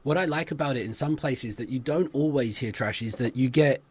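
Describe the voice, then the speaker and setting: A man hosting an interview podcast, casual and relaxed, affirming his guest and thinking aloud. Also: mid-range voice, a little fast, husky. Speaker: podcast host.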